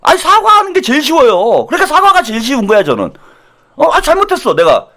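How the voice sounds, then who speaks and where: A man hosting his own channel, telling a self-mocking satirical monologue, dropping to low asides and rising to loud outbursts. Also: quick pace. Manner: animated, self-mocking, jumps between low asides and loud mock-quotes. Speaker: channel host.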